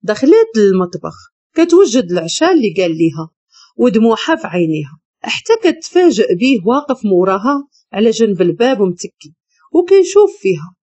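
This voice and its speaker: A woman with a Moroccan Arabic accent narrating a dramatic story in an expressive, emotional way. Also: on the high side, a little fast, husky, no room sound.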